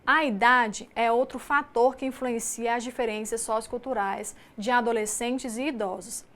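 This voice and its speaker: A woman with a Mineiro Brazilian accent, a teacher giving a recorded distance-learning lecture in a measured, explanatory way, reading lists item by item. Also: a little high, steady tone, fairly bright tone. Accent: Mineiro Brazilian Portuguese. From Minas Gerais, Brazil.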